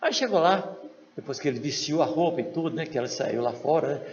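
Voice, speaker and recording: A Brazilian man giving a spiritist lecture, telling a story and acting out the voices in it. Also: fast talker. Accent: Brazilian Portuguese. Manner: acts out quoted dialogue with lively shifts in pitch. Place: large lecture hall. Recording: lo-fi hall recording with faint noise.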